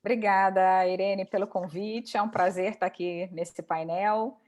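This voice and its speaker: A woman's voice: medium pitch, fairly even intonation, unhurried, a little mellow. A woman in her forties with a Rio de Janeiro Brazilian accent, a human resources director introducing herself on a panel.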